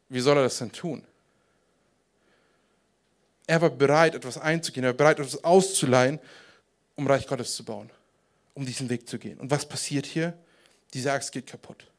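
A man preaching a casual, animated sermon as pastor, acting out voices and dropping to quiet, intense prayer tones. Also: mid-range voice.

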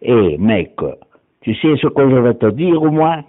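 A man's voice: mid-range voice, animated, slow pace. A man putting on a swaggering Corsican guy. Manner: swaggering, slangy. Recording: tinny phone-like sound.

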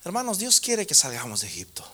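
A male preacher, giving a fervent sermon that rises to loud emphatic peaks. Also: a little high, huge pitch swings, fast talker, heavy background noise.

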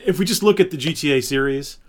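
A man's voice: a little high, fast. A man co-hosting a casual pop-culture podcast, talking like an enthusiastic fan and thinking aloud as he goes. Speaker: podcast co-host.

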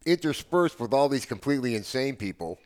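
A man's voice: mid-range voice, expressive. Earnest American man in his seventies. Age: 70s. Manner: earnest, halting, repeats words as they go. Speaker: podcast guest, house DJ. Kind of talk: casual conversation.

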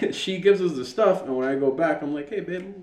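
An American man with a loud, carrying voice co-hosting a podcast, telling stories casually, swearing freely and acting out what people said. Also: a little high, moderate pace. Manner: animated, profane, acts out reported dialogue. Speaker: podcast co-host. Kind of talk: casual storytelling banter. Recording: echoey room.

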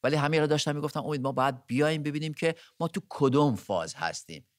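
A man's voice: a little high, no room sound, studio quality. A man who is a guest on a political talk show, explaining his view step by step and listing his points. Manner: measured, explanatory, lists points one by one. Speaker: studio guest commentator. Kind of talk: political discussion.

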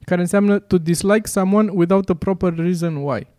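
Un bărbat tânăr, co-gazdă de podcast, care vorbește relaxat și glumeț, strecurând expresii englezești. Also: male voice, sits high, steady tone, a little mellow, no room sound, clean studio sound. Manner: jokey, drops English phrases. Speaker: podcast co-host. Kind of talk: casual chat.

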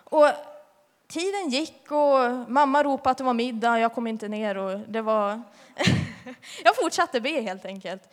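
Chatty young woman in reverberant church. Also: on the high side. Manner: lively, chatty, laughs often. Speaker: youth leader giving a testimony. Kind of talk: church testimony. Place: church hall.

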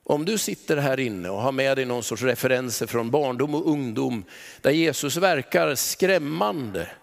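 A man preaching a sermon in a church, pausing dramatically and dropping to a soft, low voice on the words he stresses. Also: animated, vocal fry. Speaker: pastor. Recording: long church reverb.

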